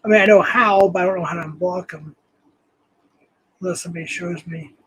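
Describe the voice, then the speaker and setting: A hoarse man with a fairly high, husky voice hosts a casual livestream from home. He rambles loosely, filling gaps with ums while he answers the chat. His voice is worn and scratchy, as if he is coming down with a cold. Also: fairly even intonation, fairly quick. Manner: rambling, reads chat aloud, frequent ums. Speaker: livestream host.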